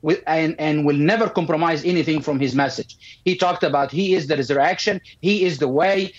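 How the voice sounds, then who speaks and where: A middle-aged man with an Arabic accent, a guest speaking earnestly over a video call from a home room, often repeating words as he starts phrases. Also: on the high side. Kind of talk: earnest commentary. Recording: muffled video call audio.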